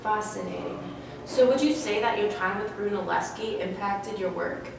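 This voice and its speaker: A woman's voice: medium pitch, normal speed, vocal fry. A woman acting as an interviewer in a scripted mock interview, asking eager questions and reading narration. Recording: echoey hall from far off, noisy.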